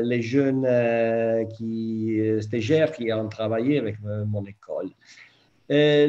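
A middle-aged man with a foreign, Italian accent in French, native in Italian, speaking haltingly as a school principal giving thanks on a video call. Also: mid-range voice, warm tone. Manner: halting, hesitant French with self-corrections. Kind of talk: thank-you speech at an online meeting. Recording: dull video-call audio.

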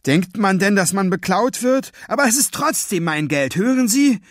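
A man reading aloud and voicing an honest, angry young boy who shouts and nearly cries, high and strained. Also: lively intonation, moderate pace, dry recording, clean studio sound. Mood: insistent. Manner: shouting, near tears, high-pitched. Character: furious honest young boy, shrill and insistent.

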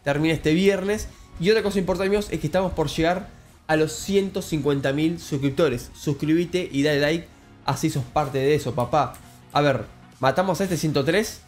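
A young man with a Rioplatense Spanish accent giving excitable Let's Play commentary, addressing viewers as friends. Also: normal speed, soft background music. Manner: excitable, calls viewers "cracks" and "amigos", jumps high when thrilled. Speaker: gaming YouTuber.

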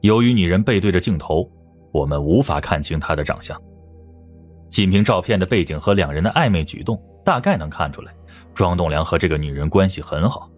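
A man's voice: low voice, lively intonation, brisk, soft background music. A man narrating a crime audiobook in a scripted, dramatic storytelling style.

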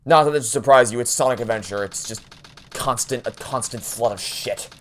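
A man's voice: mid-range voice, brisk. Sarcastic, fed-up young man playing a game. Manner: sarcastic, exasperated, swears often. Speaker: let's play host. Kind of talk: profane frustrated gameplay commentary.

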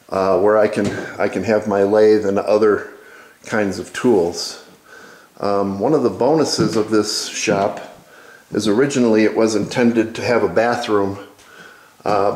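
Low-voiced man in an echoey workshop. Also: a little mellow. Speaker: woodworking video host. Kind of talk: informal narrated shop tour. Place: indoor wood workshop.

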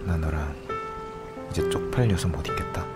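A man's voice: a bass voice, normal speed, loud music behind the voice. A young man acting a disappointed, reproachful boyfriend in a radio drama. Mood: betrayed, reproachful.

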